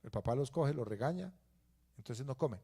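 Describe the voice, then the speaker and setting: Male pastor, mid-pitched, preaching with dramatic shifts between forceful emphasis and soft asides. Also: expressive, a little fast, husky. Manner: swings from loud emphatic peaks to low quiet asides. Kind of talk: sermon.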